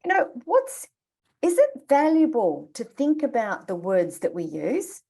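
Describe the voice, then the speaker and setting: A woman's voice: fairly high pitch, huge pitch swings, measured pace, mellow, husky. A woman moderating an online panel conversation, encouraging and steering the talk with questions.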